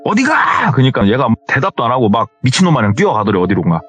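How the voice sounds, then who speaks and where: A man narrating a true horror story as host, telling it in a lively way and acting out the people in it with raised voices. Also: mid-range voice, very fast, slightly rough. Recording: dull lo-fi sound with faint music.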